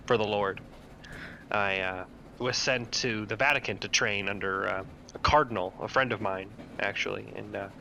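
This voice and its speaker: A man playing in a tabletop game, telling his character's backstory haltingly with many fillers. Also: lowish voice, noisy background. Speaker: player.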